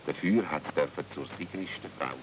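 Very deep-voiced Swiss male storyteller. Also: moderate pace. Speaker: narrator. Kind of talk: radio play storytelling narration. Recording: dull, faintly noisy old cassette recording.

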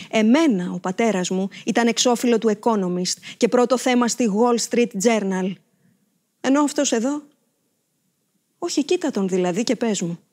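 Expressive woman giving a dramatic reading. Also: fairly high pitch. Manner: expressive, theatrical first-person telling. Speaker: actress reading a short story. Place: live stage reading.

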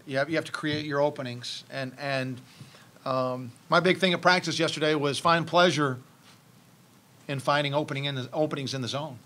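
A middle-aged head basketball coach with a fairly high, pushed and bright voice answers postgame questions from the press. Seated at a table before a logo backdrop in the press room, he speaks into a mic on a stand, halting and thoughtful, with many restarts and ums.

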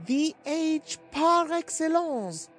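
A woman's voice: high-pitched, lively intonation, slow, fairly bright tone, soft background music, full character voice. A woman playing an affected, exclamatory society gossip in a comic period story. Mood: gossipy, distracted. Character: chattering society gossips at cards and dances.

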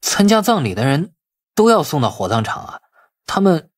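Young nephew role, male narrator: eager, flustered, deferential, husky, very animated pitch, audiobook drama. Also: normal speed. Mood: alarmed. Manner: expressive, colloquial, exclaiming.

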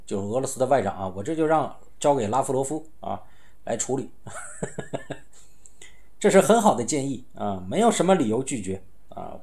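Middle aged guy doing casual commentary, normal pitch, wry, sighs and asks rhetorical questions. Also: darkish tone. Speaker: host of a political commentary show. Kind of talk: informal spoken commentary. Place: small indoor room, seated.

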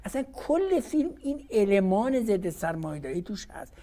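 A man's voice: high voice, very animated, warm tone. A male host leading a casual interview, prompting his guest with short questions and remarks.

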